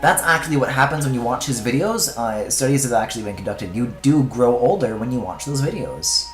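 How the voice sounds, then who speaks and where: A man's voice: medium pitch, lively intonation, a little fast, echoey room, faint music behind. A young man streaming himself drawing, chatting casually, swearing and trailing off mid-thought. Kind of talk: casual chat while drawing.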